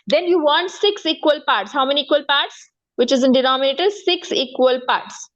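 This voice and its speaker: A high-pitched woman with a South Asian accent gives a maths lesson through slightly dull, lo-fi audio. She explains step by step, repeats key points and keeps adding short check-in questions. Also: moderate pace. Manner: repetitive, frequent check-in questions. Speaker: maths teacher.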